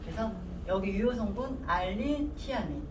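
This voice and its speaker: A woman presents product information like an informal class, with a very lively, swinging intonation. She repeats key terms and puts questions to her listeners. The recording is roomy and clearly noisy, with her voice a little away from the mic. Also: medium pitch, moderate pace, distant mic. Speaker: product presenter teaching supplement ingredients.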